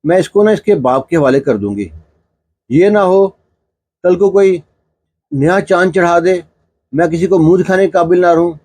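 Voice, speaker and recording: A man's voice: high voice, long pauses, darkish tone. A man doing a worried, scolding village aunt. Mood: anxious. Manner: anxious, scolding. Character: worried childless aunt, village woman, proud of honor.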